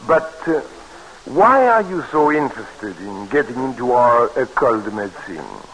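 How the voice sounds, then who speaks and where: A suave French minister. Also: male voice, mid-range voice, sing-song, a bit bright, slight background noise, rough recording. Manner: suave, slow, flirtatious. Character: flirtatious French government minister, middle-aged man. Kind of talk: 1940s radio acting. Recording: old radio broadcast.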